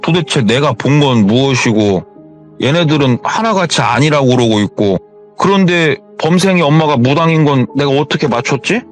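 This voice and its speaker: A man's voice: a little high, lively intonation, moderate pace, faint music behind. A man casually retelling a true ghost story as a narrator, in a chatty, colloquial way. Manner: colloquial, retells with reported speech.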